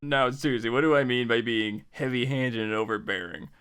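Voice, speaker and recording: A man's voice: medium pitch, a little fast, fairly bright tone, clear, resonant tone. An American man giving a casual tutorial, speaking in a jokey, conversational way straight to the listener. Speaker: host of a writing tutorial series.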